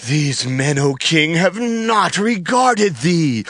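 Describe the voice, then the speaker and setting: Sharp, high-pitched scheming courtier. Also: male voice, sing-song, slow, no echo, exaggerated voice. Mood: obsequious, accusing. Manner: formal, emphatic, accusing. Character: scheming Chaldean courtier denouncing rivals to king. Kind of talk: dramatized scripture acting.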